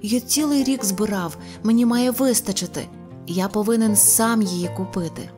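A woman's voice: moderate pace, over music, lightly acted. Woman doing an eager little boy. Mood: earnest. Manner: high, breathless exclamations.

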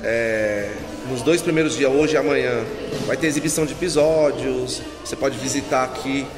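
A man's voice: medium pitch, moderate pace. A man in his forties with a Brazilian Portuguese accent, an event organizer chatting casually about his exhibition, recorded on a phone at arm's length in an indoor pavilion. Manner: relaxed, chatty, with frequent filler tags. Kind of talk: casual promotional interview. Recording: reverberant hall with music behind.

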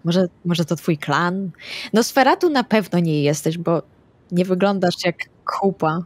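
A woman's voice: on the low side, measured pace, dry recording. A woman playing a blunt, chatty female vampire in an improvised tabletop roleplay. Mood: teasing.

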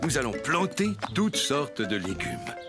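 A man playing a kindly, patient old grandfather in a children's cartoon, gently encouraging and explaining things simply. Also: mid-range voice, big pitch swings, unhurried. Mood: gently instructive. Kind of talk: children's cartoon dub acting. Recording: music behind the voice.

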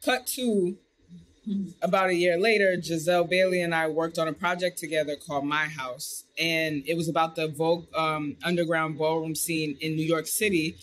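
A woman's voice: sits low, fairly even intonation, normal speed. A woman in her thirties with an American accent, a film director telling a personal story casually on a video call. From United States. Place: indoor room on a video call.

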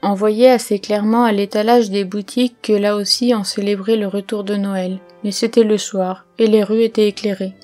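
A woman narrating a classic story for an audiobook in a measured, even reading. Her pitch sits mid-range and barely rises or falls. Faint instrumental music plays behind her. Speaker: audiobook reader. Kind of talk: scripted narration.

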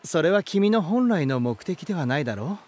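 A man's voice: on the high side, big pitch swings, a little mellow, no echo. An actor voicing a genial, elegant male lighthouse spirit in a voice drama, telling stories in a theatrical manner. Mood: playful, inviting. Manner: smooth-mannered, theatrical, unhurried storytelling. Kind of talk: Japanese voice drama acting.

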